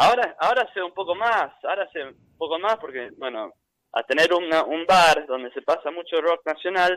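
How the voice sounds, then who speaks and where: A high-pitched man speaks at a moderate pace in a dry, close sound with no echo. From US, South Philadelphia. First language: English (speaking Spanish). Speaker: author. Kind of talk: radio interview.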